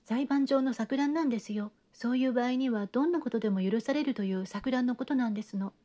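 A woman's voice: fairly high pitch, fast talker, dark tone, lightly acted. A woman reading an audiobook, voicing a theatrical, talkative genteel lady who chatters on with refined, breathless sentences. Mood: gossiping. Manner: gushing, breathless chatter with refined feminine endings. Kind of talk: audiobook reading of a classic novel.

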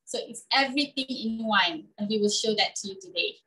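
A woman's voice: mid-range voice, brisk, bright, forceful tone, distant mic, poor audio. A woman giving a chatty live cooking demonstration in a kitchen, often checking in with "okay?".

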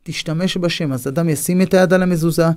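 A rabbi giving a sermon full of stories, acting out their dialogue with lively shifts of voice. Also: male voice, on the high side. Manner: animated, acts out the dialogue of his stories. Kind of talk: sermon with storytelling.

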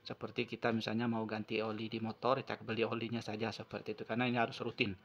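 Male tutorial presenter, lowish voice, repetitive hands-on explaining, muffled recording. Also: monotone, fast talker. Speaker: phone repair tutorial presenter. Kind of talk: unscripted hands-on tutorial narration. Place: at a wooden table indoors.

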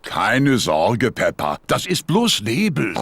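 A jolly, boastful pig dad. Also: male voice, medium pitch, wildly swooping pitch, slow pace, vocal fry, a bit bright, husky, heavily acted. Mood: cheery bluster. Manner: hearty chuckling, cheerfully boastful. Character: jolly, overconfident pig father. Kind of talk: German cartoon dub.

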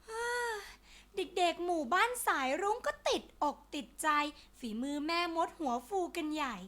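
A woman's voice: very high-pitched, expressive, moderate pace, fairly bright tone. A woman voicing a kindly, caring butterfly in a children's story, with a sweet, coaxing, slightly plaintive manner. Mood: disappointed. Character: kindly, caring butterfly who cooks healthy food.

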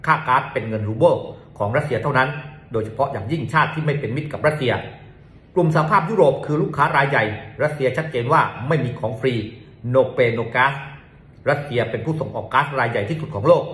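A man's voice: mid-range voice, fairly quick, fairly bright tone. A man presenting a news commentary to viewers, reading it out politely and adding courteous particles as he goes. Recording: roomy echo.

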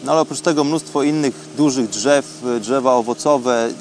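Man's halting spoken diary, faint background noise. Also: mid-range voice, a little mellow. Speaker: radio programme host. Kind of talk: unscripted spoken travel diary monologue.

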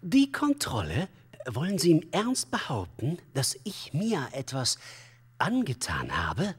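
An actor playing an esoteric male commune leader in a crime radio drama, unctuous and evasive, speaking in a halting, solemn, flowery way. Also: on the high side, wildly swooping pitch, breathy edge, heavily acted. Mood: indignant. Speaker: suspect under police questioning. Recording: long hall reverb.

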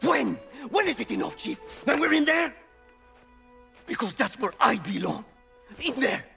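A frightened, self-doubting man, a pilot in a video game drama. His voice is high and cracks with gravel, slowing down under bitter emotion. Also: sing-song, bright, forceful tone, faint music behind, heavily acted. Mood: angry despair. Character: frightened, despairing male pilot, self-loathing civilian.

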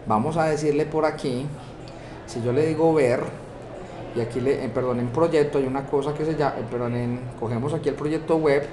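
Speaking with a Colombian Spanish accent, this male instructor guides viewers through a screen-recorded software tutorial one step at a time, frequently posing rhetorical questions. His pitch is medium, and the room is echoey with a constant hum of background noise.

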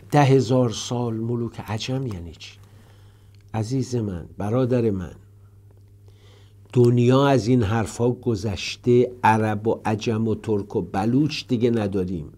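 An older man hosting a call-in talk show, answering callers earnestly and telling stories. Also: mid-range voice. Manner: warm, storytelling, earnest.

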